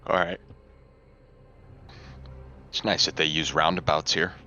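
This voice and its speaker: A man's voice: a bass voice, flat delivery, measured pace, sharp tone, dull audio. A man chatting casually as a player in a tabletop roleplaying game.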